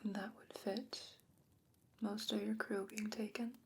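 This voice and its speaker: A woman playing a thoughtful, learned fantasy sorceress in a soft-spoken, breathy ASMR roleplay, measured and gentle with pondering pauses. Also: medium pitch, level tone, slight background noise, close to an everyday voice. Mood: studious, musing. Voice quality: breathy, whispery, hushed.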